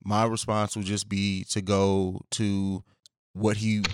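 A man's voice: fairly low pitch, flat delivery, slow pace, clear, resonant tone, no echo, studio quality. A man hosting a podcast, chatting casually, hesitant and often correcting himself, laughing easily. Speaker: podcast host. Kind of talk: casual conversation.

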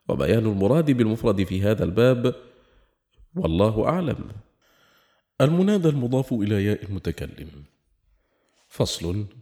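A man giving a formal reading of a classical grammar treatise. His recitation is measured, and he slows down on each quoted example. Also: lowish voice, warm tone. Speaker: reader of a classical grammar text.

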